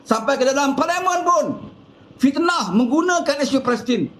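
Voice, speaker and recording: A man's voice: very high-pitched, animated, moderate pace, a bit bright. A man with a Malaysian Malay accent giving a fiery political monologue full of scolding rhetorical questions. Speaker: political commentator.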